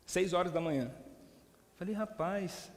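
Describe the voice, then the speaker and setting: High-voiced Brazilian pastor telling a story. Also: male voice, brisk. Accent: Brazilian Portuguese. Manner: animated, comic repetition, playful disbelief. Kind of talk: storytelling sermon. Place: church. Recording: long reverb of a church hall.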